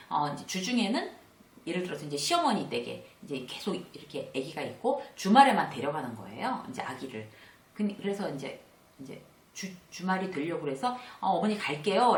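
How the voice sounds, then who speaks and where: Animated Korean woman giving a lesson. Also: on the low side, roomy sound, far from the mic. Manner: animated, acts out quoted dialogue in different tones. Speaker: host giving workplace communication talks. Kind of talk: explanatory lecture with acted-out examples.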